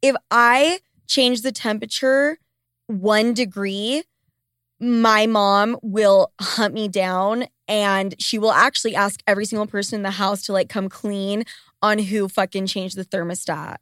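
A woman's voice: medium pitch, steady tone, unhurried, a bit bright, dry recording, studio quality. A woman in her late twenties with a congested, stuffy-nosed voice, talking casually and candidly as a solo host, swearing and grumbling comically. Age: late 20s. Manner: profane, comically complaining. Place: small basement home studio. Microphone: close studio microphone.

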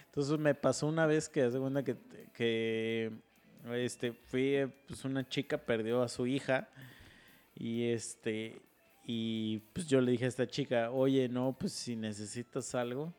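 A man's voice: mid-range voice, fairly even intonation, unhurried, darkish tone, smooth, faint music behind. A young man with a Mexican Spanish accent telling stories in casual, crude, slang-heavy chat. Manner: crude slangy storytelling, laughs often.

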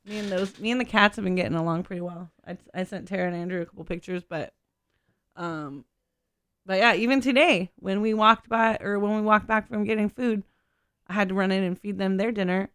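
A woman's voice: medium pitch, a little fast, fairly bright tone, smooth, no room sound. A woman hosting a community radio show, chatting casually, often laughing and trailing off mid-sentence. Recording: radio studio.

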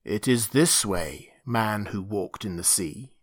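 A man voicing a hairy, crooked old beast-man who recites the law, slow, solemn and detached in an audiobook story. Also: expressive. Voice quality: deep voice.

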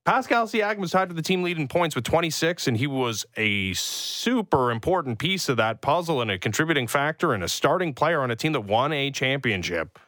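A man's voice: a little high, very animated, fairly quick, few pauses, a bit bright, no echo. A man co-hosting a morning sports radio show, talking through a trade in an emphatic, casual way. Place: radio studio. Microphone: studio microphone.

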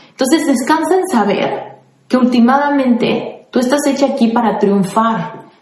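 This life coach, a woman with a Mexican accent, speaks a little high, and the sound is roomy. On her podcast she gives motivational advice conversationally and warmly, addressing listeners by name as she answers them.

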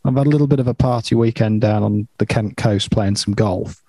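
A man with a slightly husky voice, co-hosting a podcast in laid-back, jokey casual chat. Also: on the low side, a little fast, mellow, no room sound. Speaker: podcast co-host.

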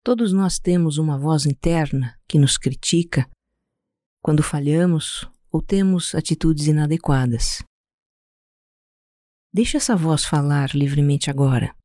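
A Brazilian-accented speaker guiding a meditation in a calm, soothing, unhurried way, leaving pauses between instructions. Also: medium pitch, no room sound, studio quality. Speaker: podcast host guiding a meditation. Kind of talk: slow guided meditation narration.

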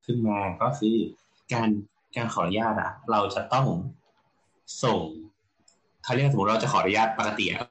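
A man co-hosting a casual podcast, explaining building permit rules with many pauses and fillers. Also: fairly low pitch, a bit bright. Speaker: podcast co-host, architect.

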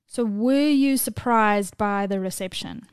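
Smooth-voiced woman host, dry sound. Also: mid-range voice, measured pace, no room sound. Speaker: podcast host. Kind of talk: casual interview chat.

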